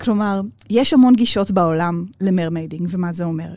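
Dark, mellow female voice of medium pitch, at a moderate pace with ordinary pitch variation. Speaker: professional mermaid. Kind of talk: interview. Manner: animated.

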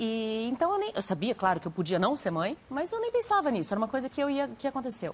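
Her pace is very fast. This woman has a fairly high pitch that swings very widely. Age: 20s. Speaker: health journalist. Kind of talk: studio talk show discussion. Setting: studio with audience.

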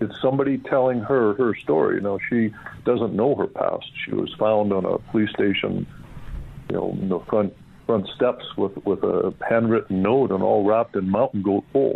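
Noticeable background noise is present. A man talks at a moderate pace. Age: 60s. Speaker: novelist. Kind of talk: interview. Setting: phone call.

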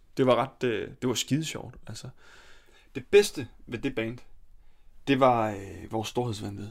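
A man's very slow delivery with long, frequent pauses, medium pitch, ordinary pitch variation, and big swings in loudness. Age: 30s. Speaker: drummer. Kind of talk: casual interview.

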